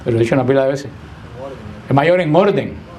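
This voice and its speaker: This man's mid-range voice is expressive and a little mellow, and he talks at a quick pace. Leading a Bible class for people gathered in a room, he keeps things conversational, often quizzes the class, and teases them in fun.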